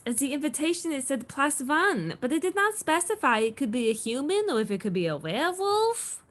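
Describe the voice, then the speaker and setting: A woman's voice: high voice, very animated, brisk, fairly bright tone. A woman playing a fussy, flustered vampire who explains and coaxes, in a comedy table read. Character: fussy, flustered vampire host defending a guest.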